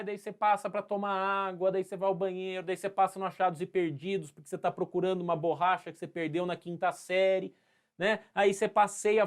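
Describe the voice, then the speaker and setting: A high-pitched man with an interior São Paulo accent teaches history in a live online class. He is playful and chatty, greets students by name, and acts out little scenes to make a point. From Brazil.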